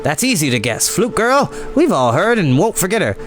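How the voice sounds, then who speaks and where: A man's voice: sits high, very animated, moderate pace, fairly bright tone, faint music behind. A man voicing a knowing, singsong street hawker of birds in a storybook tale. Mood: amused, helpful. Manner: crying wares, then chatty and teasing. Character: loud street bird seller, singsong, knowing local.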